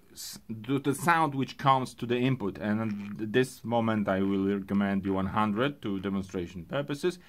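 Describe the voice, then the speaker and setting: Speaking English as a second language, this man gives an off-the-cuff, hands-on walkthrough of music equipment in a mid-range voice. He's halting, working through his thoughts out loud as he goes.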